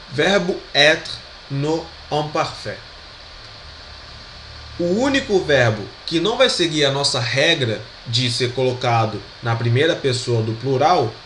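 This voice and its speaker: A man's voice: on the high side, a bit bright. A man with a Brazilian Portuguese accent teaching French grammar in a video lesson. He patiently repeats each pronunciation and keeps checking that his students follow. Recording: roomy echo with faint background hum.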